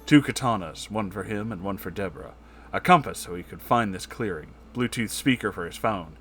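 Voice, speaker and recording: A man's voice: lowish voice, a little fast, a bit bright, slight background noise. A man narrating a comedic story in a dramatic, theatrical way.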